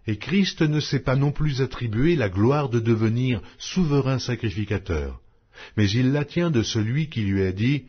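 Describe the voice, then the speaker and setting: A man narrating scripture as an audiobook in a solemn, measured, declamatory manner. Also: medium pitch, breathy edge, highs cut off. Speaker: Bible narrator.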